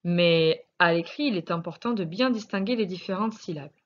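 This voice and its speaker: A woman teacher with a French accent, slowly and patiently correcting a spelling lesson for young pupils, sounding out syllables. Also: lowish voice, highs cut off. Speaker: primary school teacher.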